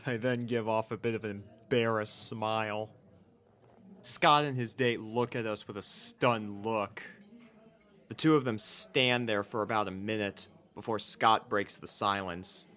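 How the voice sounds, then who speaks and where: Man, lowish pitch, story narrator, first-person fiction reading. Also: fairly even intonation, a little slow, bright, forceful tone.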